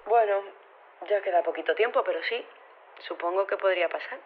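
Tinny phone line, female correspondent, Castilian Spanish accent, halting, earnest, unsure, audio drama. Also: mid-range voice, slight background noise. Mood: downcast, hesitant. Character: earnest, hesitant woman campaigner reporting by phone.

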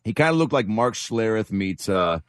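A man's voice: on the low side, very animated, normal speed, dry recording, studio quality. A man who is a comedian, chatting as a guest and telling rambling, self-deprecating stories full of fillers. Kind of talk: casual anecdotal chat.

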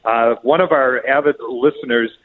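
A man's voice: mid-range voice, steady tone, normal speed. A man calling in to a radio show from a public restroom, chatty and joking, his voice echoing off the tiled walls. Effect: echo of a tiled public restroom. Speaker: weekly events contributor calling in. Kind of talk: casual radio call-in chat. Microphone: phone. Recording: tinny phone line with restroom echo.

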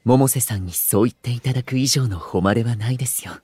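An actor playing a courteous, bookish young food streamer in an audio drama, speaking in formal, literary, gentlemanly phrases. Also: male voice, medium pitch, brisk, slightly rough, dry recording. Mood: humble earnest. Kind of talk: Japanese audio drama acting.

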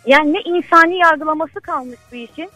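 Woman caller, lawyer, speakerphone line, high and dry, earnest and outspoken. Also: a little fast, sharp tone, no echo, faint music behind. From Istanbul, Turkey. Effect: phone call on speakerphone from a car. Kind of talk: live radio call-in chat.

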